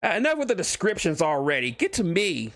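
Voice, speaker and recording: A man's voice: high-pitched, huge pitch swings, a little fast, fairly bright tone, dry recording, voice pushed up, exaggerated voice. A man voicing a brash, vain, crude wisecracking mercenary antihero in a fan fiction reading, impatient and cheeky. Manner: impatient, cheeky, self-aware heckling.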